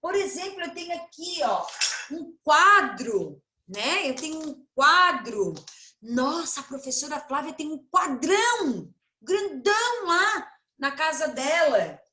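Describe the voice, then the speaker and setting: A Brazilian woman teaching young children in an online class, playful and sing-song, stretching words out slowly. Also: high voice, roomy sound. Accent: Brazilian Portuguese. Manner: animated, drawn-out sing-song word stretching; playful, addresses pupils affectionately. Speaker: primary school teacher. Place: home, room with echo.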